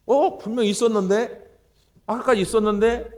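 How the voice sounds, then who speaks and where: A pastor putting on a blustery old islander. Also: male voice, sits high, fairly even intonation, normal speed, mellow, in a large hall, voice pushed up, close to an everyday voice. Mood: startled. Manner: blustery, exclaiming, rough. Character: gruff old male islander, rough-tongued ex-sailor.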